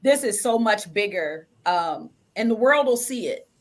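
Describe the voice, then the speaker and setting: A woman's voice: mid-range voice, expressive, a little slow. A woman speaking emphatically as a guest in a conversational interview, often repeating phrases for emphasis. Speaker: guest from a stage play production.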